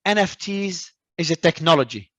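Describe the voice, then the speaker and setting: A man from Australia, a guest talking in an animated, emphatic way and often repeating words as he restarts. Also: on the high side, normal speed, no echo. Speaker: crypto entrepreneur guest. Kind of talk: casual interview talk.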